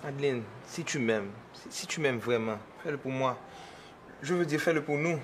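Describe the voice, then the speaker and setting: A man's voice: mid-range voice, moderate pace, natural voice. An actor playing a hesitant, evasive young man in a film. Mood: coaxing. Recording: noisy background.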